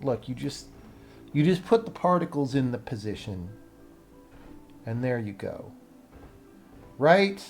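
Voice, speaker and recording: A man talks through his programming work on a live stream at a very slow pace, in an average-pitched voice. He thinks aloud in fragments, blunt and dryly sardonic, and swears casually. Music plays behind him along with keyboard typing. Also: sing-song, a little mellow. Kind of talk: casual off-the-cuff coding commentary.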